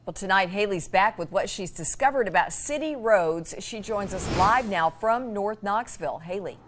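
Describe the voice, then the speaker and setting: A woman presents the news from the anchor role. Her voice sits at a medium pitch as she reads scripted introductions. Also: lively intonation, normal speed, noisy background.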